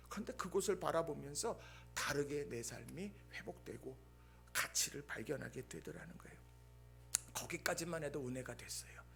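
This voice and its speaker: A male pastor preaching a Sunday sermon, telling stories with acted-out dialogue and swings between loud bursts and hushed asides. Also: a little high, vocal fry. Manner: animated storytelling, acting out quoted dialogue.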